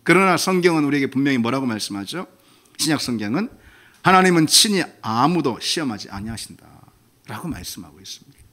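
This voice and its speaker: A man's voice: medium pitch, brisk. A man preaching a sermon as pastor, conversational and questioning, acting out anguished questions in a raised voice. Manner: animated, acts out God's anguished questions in a raised voice; conversational, asks the congregation questions.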